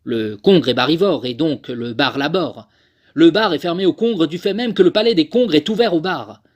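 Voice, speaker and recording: A man, a voice actor, delivering scripted narration in a theatrical, measured manner. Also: on the high side, animated. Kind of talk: scripted dramatic narration for a demo reel.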